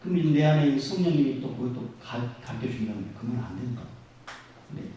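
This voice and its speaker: A middle-aged man preaching a Sunday sermon as senior pastor. He swings between loud exhortation and quiet asides, and acts out the grumbling voices of the people he quotes. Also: mid-range voice, expressive, fast talker, muffled recording. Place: large church sanctuary. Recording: very echoey sanctuary, voice from far off.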